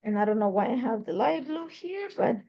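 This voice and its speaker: Gravelly chatty crafting woman. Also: a little high, expressive, fairly quick, lo-fi sound. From Ecuador. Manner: chatty, rambling, corrects herself mid-sentence. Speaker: scrapbooking crafter demonstrating a layout. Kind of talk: casual craft tutorial talk.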